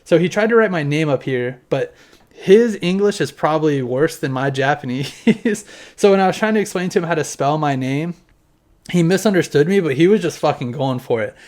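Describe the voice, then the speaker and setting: A man's voice: fairly high pitch, expressive, moderate pace, darkish tone. A man in his thirties talking casually to camera at home, showing off his collection in a loose, rambling way and swearing now and then. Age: 30s. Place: home room with collection on display.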